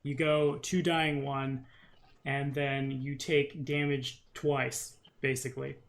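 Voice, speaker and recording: A man's voice: medium pitch, flat delivery, slow pace. A man running a tabletop role-playing game as game master, talking casually and muttering counts and rules aloud.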